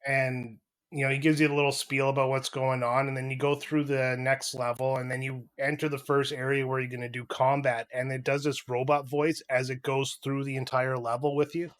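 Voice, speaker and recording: A man's voice: mid-range voice, level tone, fairly quick, fairly bright tone. A man co-hosting a podcast, casually reviewing video games with blunt, informal complaints. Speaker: podcast co-host.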